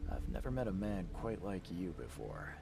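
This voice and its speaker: Private investigator for a video game: very deep, polite, earnest, understated delivery, music underneath. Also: male voice, very animated, gravelly, exaggerated voice. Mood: earnest, tentative. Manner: measured, courteous, tentative. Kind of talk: video game dialogue acting.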